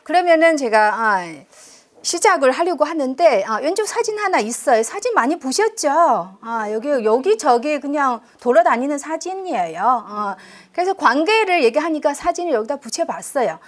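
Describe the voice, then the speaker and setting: A woman's voice: high-pitched, big pitch swings, moderate pace. A middle-aged woman from China with a Chinese accent in Korean, lecturing chattily and self-deprecatingly, quizzing her audience and using many fillers. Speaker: university professor giving a public lecture. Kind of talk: public history lecture. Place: lecture room.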